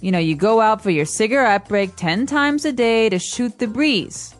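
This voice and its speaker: A woman's voice: a little high, normal speed, faint music behind. A woman co-hosting an English-learning podcast, explaining phrases casually with everyday examples and acted-out sample lines. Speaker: podcast co-host, English teacher. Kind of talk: casual teaching chat.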